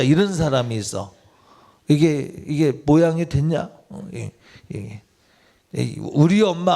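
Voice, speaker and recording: A man with a gravelly, fairly high voice preaching a sermon in a church. He talks in a conversational way and keeps firing direct questions at the congregation. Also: a little mellow. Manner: conversational, quizzes listeners directly. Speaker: pastor. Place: church sanctuary.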